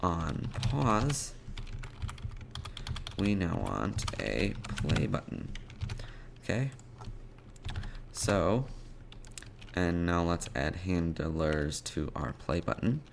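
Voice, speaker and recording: Very low, gravelly man coding aloud. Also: big pitch swings, drawn-out words, long pauses. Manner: thinking aloud in short fragments while working. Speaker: programming tutorial presenter. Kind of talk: live coding screencast narration, unscripted. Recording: noisy, with keyboard typing and mouse clicks. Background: keyboard typing and clicking.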